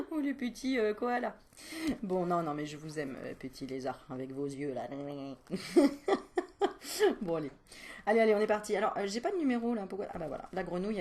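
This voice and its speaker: A woman's voice: medium pitch, a little mellow. A woman doing a casual animal card reading as a medium, chatty and playful, breaking into giggles and self-mocking asides while teasing the viewer. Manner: teasing, talks straight to the viewer.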